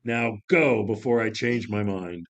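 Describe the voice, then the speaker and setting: A man's voice: fairly low pitch, measured pace, dull audio, voice pushed down. Man playing a stern, commanding god of the underworld. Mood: grave, commanding. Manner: commanding, curt. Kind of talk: dramatic play reading.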